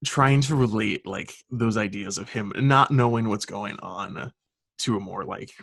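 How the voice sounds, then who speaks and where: A man's voice: lowish voice, takes it slowly, gravelly, a bit bright, slightly rough, no echo. A young man co-hosting a podcast, chatting casually in a rambling way with lots of fillers. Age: young adult. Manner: rambling with many fillers and laughs. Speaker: podcast co-host.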